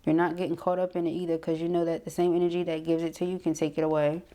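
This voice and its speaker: Female tarot reader, lowish mellow voice, conversational delivery with frequent check-ins. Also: flat delivery, racing. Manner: conversational, punctuated with frequent check-in tags like okay and right. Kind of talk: casual intuitive tarot reading to camera.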